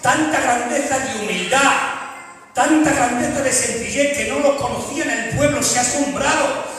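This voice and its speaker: A man with a Spanish accent preaching a sermon in a large church, moving from quiet storytelling to loud, fervent calls. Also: moderate pace. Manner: builds from low storytelling to loud fervent shouting. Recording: echoey hall, distant mic.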